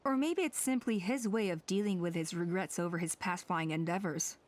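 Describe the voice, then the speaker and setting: A woman playing a composed tribal elder in a fantasy game, measured and thoughtful. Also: fairly low pitch, natural voice. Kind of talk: video game dialogue acting.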